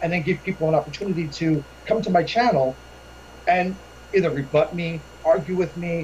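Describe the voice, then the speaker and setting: The intonation stays fairly even at a fairly quick pace. Noticeable background noise sits behind the voice. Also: man. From New York, Brooklyn. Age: 40s. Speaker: YouTuber, former pro wrestler. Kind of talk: interview. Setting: quiet home workspace, remote call. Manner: plain-spoken, blunt.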